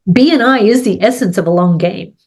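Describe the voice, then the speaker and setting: A woman's voice: medium pitch, brisk, darkish tone. A middle-aged woman with a head cold co-hosting a casual business chat, explaining her points with examples and often asking "right?". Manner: explains with sports and farming examples, asks "right?". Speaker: co-host.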